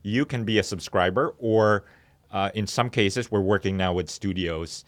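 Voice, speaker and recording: A man speaking as a company founder and interview guest in a studio, explaining in a halting way as he pieces his thoughts together. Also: on the low side. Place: podcast studio.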